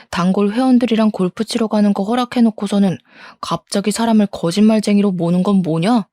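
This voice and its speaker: A woman's voice: mid-range voice, mellow, dry recording, studio quality, close to an everyday voice. A woman voicing a defiant, scornful middle-aged husband caught cheating, reading a story aloud. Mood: defensive. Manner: blustering, scornful, defensive.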